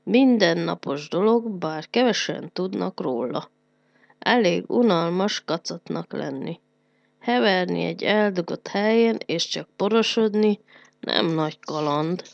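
A woman's voice: fairly low pitch, animated, gravelly, no echo, lo-fi sound. Woman reading a children's storybook. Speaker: narrator.

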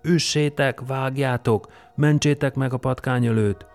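A man's voice: deep voice, fairly even intonation, warm tone, soft background music, lightly acted. A man reading an audiobook and voicing a fierce, weary Roman governor who is scornful and commanding. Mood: roaring. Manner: scornful and commanding, erupts into roaring rage.

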